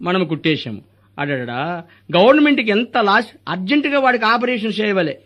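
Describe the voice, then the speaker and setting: A man's voice in a comic sketch, rattling off teasing, bossy lines at a fast clip. It sits high and has a bright, forceful edge throughout. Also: very animated. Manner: mocking, bossy, rapid comic banter. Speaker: comic actor playing a corrupt hospital doctor.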